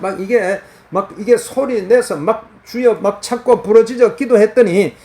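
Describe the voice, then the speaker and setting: A man's voice: high-pitched, normal speed, darkish tone, a little hiss or hum. A man preaching a fervent, earnest sermon in the countryside. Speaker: pastor. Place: countryside, crickets and cicadas heard outside.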